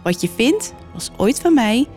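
A woman's voice: on the high side, very animated, measured pace, darkish tone, faint music behind, voice pushed up. A woman voicing a restless male church ghost who gives firm instructions. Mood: commanding.

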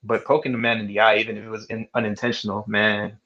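A male podcast host in a casual sports chat who talks in an excitable, slangy way. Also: on the low side, fast talker. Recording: dull lo-fi sound.

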